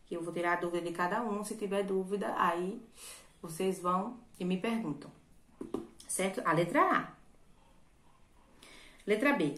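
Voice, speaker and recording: In an echoey room, a woman from Brazil with a slightly bright, medium-pitched voice teaches children through a recorded remote lesson. As a primary school teacher, she is patient and repetitive, frequently asking "certo?" to check they follow.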